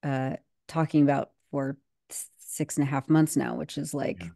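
A woman's voice: extremely low pitch, steady tone, normal speed, gravelly, warm tone, no echo, clean studio sound. A woman in her thirties, a guest commentator, speaking emphatically over a video call and using plenty of fillers. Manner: fluent and emphatic, with many fillers. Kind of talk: casual video-call discussion. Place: home room on a video call.

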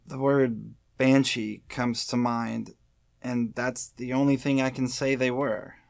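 An actor playing a weary, haunted senior FBI agent in an audio drama, speaking in a grave, halting, pleading way. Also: male voice, medium pitch, little pitch movement, vocal fry, no echo, clean studio sound.

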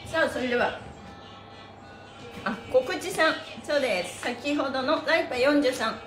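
A woman's voice: sits high, moderate pace. A middle-aged woman hosting a live stretch class, chatting and instructing in a cheerful, playful, exclamatory way. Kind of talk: live-streamed exercise class and chatty announcements. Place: small bare indoor room with wooden floor. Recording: echoey room with music behind.

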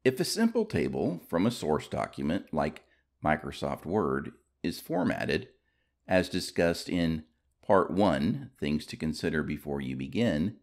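A man reading scripted instructional narration as a tutorial narrator, in a measured, explanatory way with careful enunciation. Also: low-pitched, big pitch swings.

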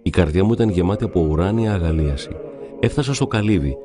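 A man narrating devout stories in a calm, measured reading. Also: low voice, music in the background. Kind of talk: reverent scripted reading of saints' stories.

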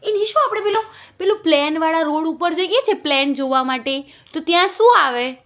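This young mother and family vlogger has an extremely high, brisk, slightly bright voice. At home she banters playfully with her toddler, coaxing in a sing-song baby-talk manner.

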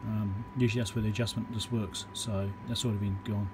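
A man's voice: on the low side, level tone, fast. A man giving a casual, hands-on electronics repair demonstration, talking matter-of-factly through each step as he works. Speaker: electronics repairer and video host. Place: indoor electronics workbench. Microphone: handheld camera or phone microphone. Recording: loud hiss and background noise, handheld camera.

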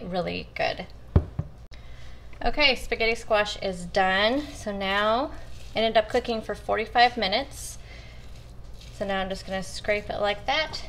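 A woman's voice: medium pitch, slight background noise, poor audio. Chatty woman doing a kitchen vlog. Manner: chatty, talks to viewers as "you guys". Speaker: meal prep vlogger. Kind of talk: casual cooking walkthrough. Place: home kitchen counter.

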